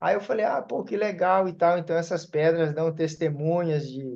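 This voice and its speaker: The speech is fairly slow, in a southern Brazilian accent with ordinary pitch variation. The background is quiet. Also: man. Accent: southern Brazilian (gaúcho). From interior of Rio Grande do Sul, Brazil. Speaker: church member sharing at Bible study. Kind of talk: Bible study group discussion. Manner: hesitant, with fillers.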